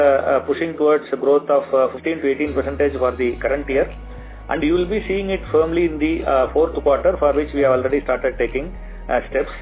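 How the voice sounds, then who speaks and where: A man with an Indian accent giving corporate earnings-call remarks as a bank executive, halting and hesitant, with many filler pauses. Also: on the high side. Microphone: telephone conference line. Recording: tinny phone line, faint music.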